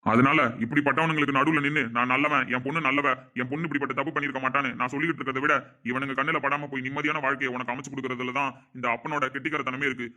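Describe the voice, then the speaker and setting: A man's voice: mid-range voice, flat delivery, very fast, pushed and bright. A man playing a middle-aged father who defends his daughter with emphatic, indignant speech in a family drama. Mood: resolute. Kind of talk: amateur family drama acting.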